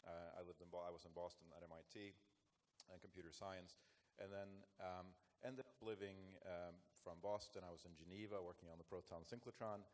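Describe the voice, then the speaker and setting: A man speaks from a conference stage. His voice sits very low, and he talks reflectively and earnestly as a panelist. Faint room noise is heard behind him. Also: steady tone, a little fast, darkish tone. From Norway. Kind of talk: panel discussion answer.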